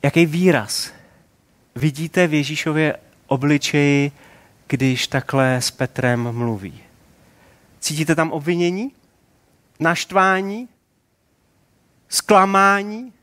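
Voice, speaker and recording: A man in his forties preaching a sermon in a relaxed, conversational way, asking rhetorical questions. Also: fairly high pitch, long pauses.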